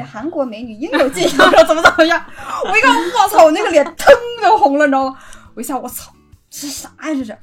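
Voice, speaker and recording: A young woman podcast host telling a story in a casual chat, animated and laughing often. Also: sits high.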